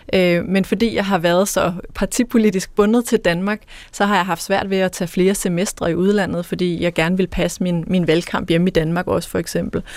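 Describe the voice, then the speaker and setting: The speaker has a non-native accent and uses fairly even intonation. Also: woman, medium pitch for a woman, moderate pace. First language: not Danish (speaking Danish). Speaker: politician. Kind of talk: interview. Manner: halting, many fillers.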